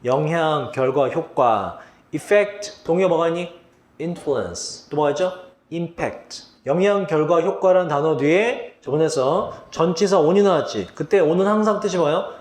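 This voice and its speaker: A man's voice: on the high side, measured pace, darkish tone. A man teaching English vocabulary for an exam, asking the students questions and then answering them himself. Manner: quizzing students, answering his own questions. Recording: echoey room.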